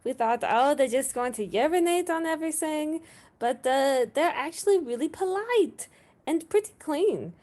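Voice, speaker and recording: A woman acts a polite, romantic male vampire for a comedy read. The voice sits high and swings freely, with chatty, hesitant phrasing as if talking to a documentary crew. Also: lively intonation, moderate pace, darkish tone. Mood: earnest, mild. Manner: hesitant, chatty, mock-documentary interview delivery.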